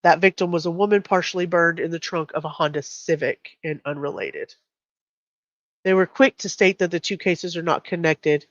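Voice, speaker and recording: Low-fidelity, dry-sounding middle-aged woman. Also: a bit bright, no room sound, muffled recording. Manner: conversational, blunt with casual swearing. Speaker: live stream host. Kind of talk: casual true crime live talk, reading out messages and reacting.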